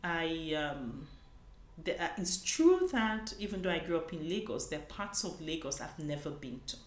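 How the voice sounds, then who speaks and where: With a deep voice, large swings in pitch, and a moderate pace, a conference panelist from Nigeria talks earnestly in a conversational interview. She searches for her words and frequently restarts, and the room is echoey with a little noise.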